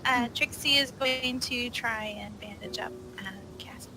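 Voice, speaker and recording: A woman's voice: fairly high pitch, measured pace, background noise. A woman chatting casually as she improvises as a player in a tabletop role-playing game.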